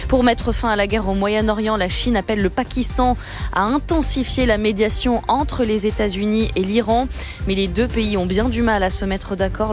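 Woman for a radio headline bulletin; crisp, brisk, faint music bed. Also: medium pitch, a little mellow. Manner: brisk, clear headline reading. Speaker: newsreader.

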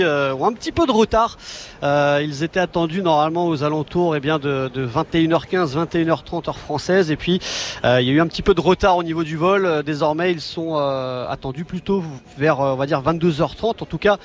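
A man's voice: a little high, brisk, slight background noise. A man reporting live for the news from outdoors on a city street, talking with many fillers and restarts. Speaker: field reporter.

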